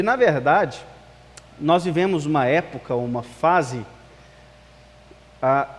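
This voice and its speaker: Guy preaching in church, minas gerais brazilian accent, highish voice, conversational, long hall reverb. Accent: Minas Gerais Brazilian Portuguese. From Espírito Santo, Brazil. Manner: conversational, rhetorical questions, tag "né". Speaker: pastor. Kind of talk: sermon to a congregation. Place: church service, amplified hall.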